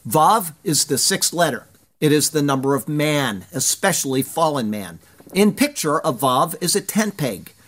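A man preaching a verse-by-verse Bible sermon, reading scripture quotes with measured emphasis. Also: a little high, a bit bright.

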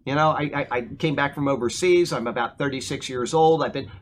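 A man's voice: mid-range voice, fairly quick, slight background noise. A man, preaching a casual sermon and often checking in with his listeners. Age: 50s. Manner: conversational, keeps asking "okay?". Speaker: pastor.

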